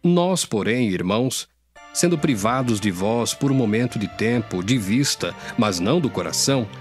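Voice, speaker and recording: A man with a Brazilian accent giving a scripted, solemn and declamatory reading of scripture as an audio Bible. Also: medium pitch. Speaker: scripture reader. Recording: music under the voice. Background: background music.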